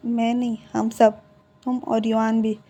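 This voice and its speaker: A woman with a hoarse throat voicing a gentle mother who quietly coaxes her children. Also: on the high side, level tone, measured pace. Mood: pleading.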